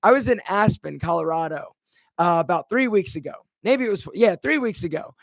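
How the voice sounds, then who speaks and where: A man hosting a casual live Q&A, chatting energetically and greeting viewers by name, his voice rough from seasonal allergies. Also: high-pitched, expressive, brisk, dry recording. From Philadelphia. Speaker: livestream host.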